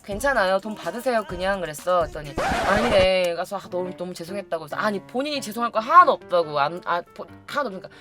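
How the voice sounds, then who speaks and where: A woman's voice: medium pitch, expressive, fast talker, hardly any pauses, over music. A woman casually telling a funny story to her viewers, acting out other people's lines and laughing often. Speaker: YouTube storyteller.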